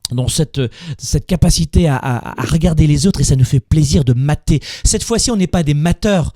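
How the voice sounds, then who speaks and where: A man's voice: a little high, normal speed, warm tone, no echo, clean studio sound. A man hosting a motivational call-in show, speaking emphatically and repeating words as he builds a point. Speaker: host taking live calls.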